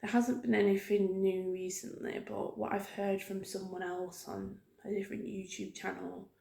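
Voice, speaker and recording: A woman talks softly in a casual ASMR ramble, with an even, fairly flat pitch. She wanders from thought to thought in a hesitant, informal way, like a video host chatting to viewers. The room adds a clear echo around her voice. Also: normal speed. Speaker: YouTube host. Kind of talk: soft-spoken ASMR ramble. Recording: roomy, echoing room sound.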